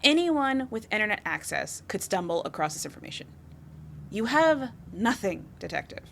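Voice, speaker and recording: A woman acting a flirty, smug white-collar crime suspect in an audio roleplay, teasing and coy, with a confident, drawn-out delivery. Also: mid-range voice, big pitch swings, gravelly, a bit bright, a little hiss or hum. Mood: defiant, coy.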